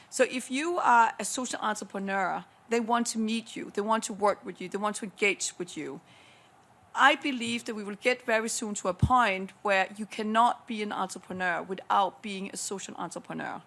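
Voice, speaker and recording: A woman's voice: medium pitch, normal speed, a bit bright. A woman from Denmark with a Danish accent, speaking on a conference panel, enthusiastic and persuasive as she rattles off figures. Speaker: panelist, corporate innovation lead. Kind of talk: panel discussion remarks. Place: conference room at a panel event.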